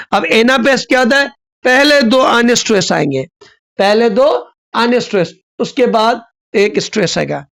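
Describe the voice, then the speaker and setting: A man teaching a lesson on poetic rhythm, drawing out his example words slowly. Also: sits high, vocal fry, fairly bright tone. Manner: drawn-out stressed example words. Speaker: literature teacher. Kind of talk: explanatory lesson.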